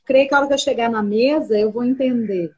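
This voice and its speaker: A woman with a high voice talks casually and thoughtfully about her own feelings, pausing as she looks for the right words. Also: darkish tone, highs cut off. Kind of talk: casual chat.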